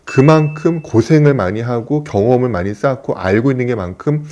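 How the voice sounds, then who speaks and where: A man's voice: medium pitch, fairly quick, warm tone, slight background noise. A man in his fifties, a plastic surgeon, telling stories in an earnest, reflective way. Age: 50s. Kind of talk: casual conversational talk.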